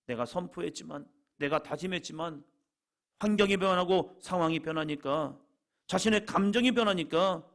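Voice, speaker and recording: A male pastor preaching a sermon with fervor, rising to loud, high peaks and dropping to soft, tender lines. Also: vocal fry. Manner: impassioned preaching, swelling louder, voicing Jesus softly.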